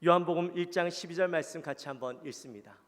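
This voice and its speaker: A man's voice: on the high side, fast, fairly bright tone. A male pastor with a Gyeongsang Korean accent, giving an earnest, conversational sermon and putting questions to the congregation. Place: church sanctuary. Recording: long church-hall reverb.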